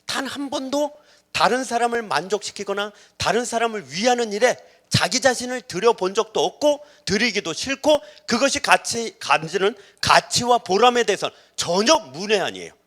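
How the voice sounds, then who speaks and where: A middle-aged man preaching a sermon as pastor, telling a story with acted-out quotes and swinging between hushed and loud delivery. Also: sits high, normal speed. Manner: animated storytelling, acting out quoted voices, shifting from hushed to loud.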